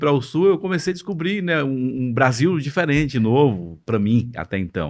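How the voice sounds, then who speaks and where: Against a quiet background, a man speaks at a moderate pace, his medium pitch carried by lively intonation. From Northeast Brazil. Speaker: podcast host, radio broadcaster. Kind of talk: casual interview chat.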